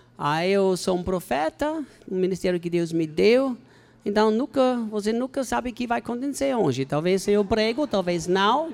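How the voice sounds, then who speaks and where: A man speaks with a German accent at a high pitch. His voice swings very widely in pitch at a moderate pace. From Austria. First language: German (speaking Portuguese). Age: 50s. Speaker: preacher. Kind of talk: testimony. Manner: halting.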